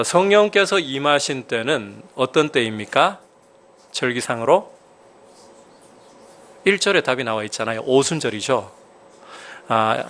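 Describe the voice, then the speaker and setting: Here a pastor's sermon comes across with emphasis: the man's voice rises suddenly in pitch and volume, and he puts questions to his congregation.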